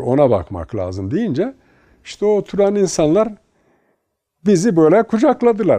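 A man speaks in a dark, mellow tone at a moderate pace. The background is quiet. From eastern Turkey, Elazığ; Turkey. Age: 70s. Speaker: retired teacher and school principal; retired teacher. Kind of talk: interview, life story monologue. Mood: warm, animated, smiling. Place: home room. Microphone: lapel.

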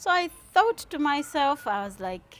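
Light background noise sits behind a woman whose pitch swings very widely. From Uganda. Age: young. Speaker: returned migrant worker building a house; interviewee. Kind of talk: casual interview, storytelling. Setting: at her home. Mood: reflective storytelling. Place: garden.

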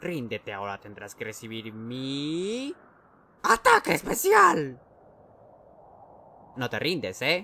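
In a cartoonish character voice with a Latin American accent, a man speaks at a medium pitch and a slow pace, using very wide pitch swings, a bright, sharp tone and long, frequent pauses.

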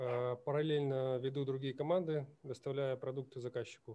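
Fairly even intonation and a moderate pace from a male speaker. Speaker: project manager. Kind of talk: online group discussion. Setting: video call. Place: office. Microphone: video call.

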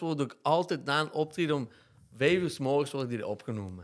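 Lively intonation marks this man's fairly high voice. He speaks at a fairly quick pace over a quiet background. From Belgian Limburg, Genk; Belgium. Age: 30s. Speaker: comedian; podcast guest, comedian. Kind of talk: casual chat; interview answer. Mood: lively, animated storytelling. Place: studio. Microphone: studio mic.

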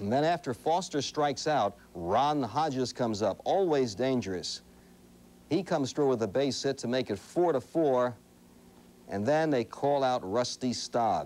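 A man with an American accent has an ordinary speaking voice at a medium pitch. He talks at a fairly slow pace with lively intonation and very even loudness. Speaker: sportscaster. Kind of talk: TV sports news report.

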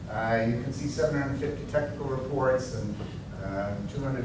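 A man speaks with ordinary pitch variation. Loud background noise and audible room echo surround his voice. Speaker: university professor giving a seminar. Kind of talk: lecture. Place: hall.

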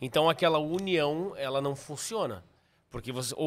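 The man's fairly high voice moves at a moderate pace, its pitch varying in an ordinary way. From Brazil. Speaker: podcast interviewer. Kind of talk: interview conversation. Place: studio. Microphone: studio mic.

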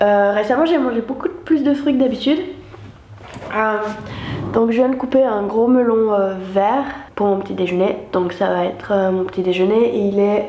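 A woman at a moderate pace, with ordinary pitch variation and long, frequent pauses, over noticeable background noise. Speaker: vlogger. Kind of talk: casual vlog.

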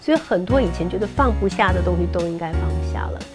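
Clear music runs behind the voice. The woman talks at a very fast pace. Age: 50s. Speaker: writer and teacher. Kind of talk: interview answer. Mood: calm, reflective. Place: shop. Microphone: lapel.

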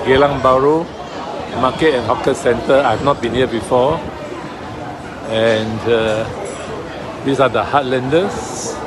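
There is noticeable background noise. A man speaks with long, frequent pauses. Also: dry sound with no echo. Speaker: amateur travel vlogger. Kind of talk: casual vlog narration. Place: market. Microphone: phone near.

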